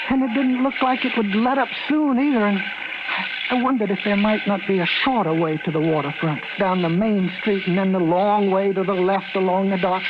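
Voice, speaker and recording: Give me a man as a timid stammering young traveler in a lo-fi 1950s radio play with steady hiss. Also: high voice, lightly acted. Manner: stammering, hesitant, meek. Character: timid polite young male tourist, lost and nervous. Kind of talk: 1950s radio drama acting. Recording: hissy lo-fi 1950s radio broadcast.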